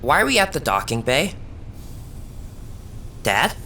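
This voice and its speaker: An actor playing a sheepish, affectionate schoolboy son in an audio drama, casual and questioning. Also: male voice, medium pitch, sing-song, unhurried, pushed and bright, slight background noise. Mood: puzzled, uneasy. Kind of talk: audio fiction drama acting.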